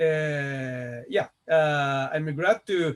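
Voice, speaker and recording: This man has a Japanese accent and a fairly high pitch. He talks at a very slow pace with fairly even intonation. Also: dry, close sound with no echo. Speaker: neurosurgeon. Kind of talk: lecture. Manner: halting.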